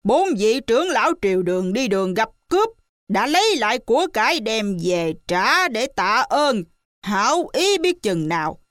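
Woman doing a fierce monkey pilgrim, loud, scolding, raised pitch, dry sound. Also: big pitch swings, normal speed, no room sound. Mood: angry scolding.

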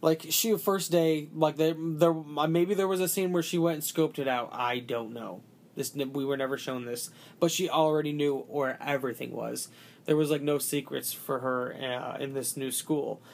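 Casual podcast co-host, mid pitch, rambling, filler-heavy delivery. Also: steady tone, moderate pace, gravelly. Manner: rambling, heavy use of "like", many restarts. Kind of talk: casual movie discussion.

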